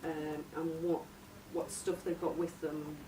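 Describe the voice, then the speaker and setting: Low-voiced woman, roomy distant recording. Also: little pitch movement, slow pace. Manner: tentative, searching for words. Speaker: workshop participant presenting a radio drama outline. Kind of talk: halting informal story pitch. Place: echoey room, recorded from a distance. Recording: roomy, distant mic, noisy background.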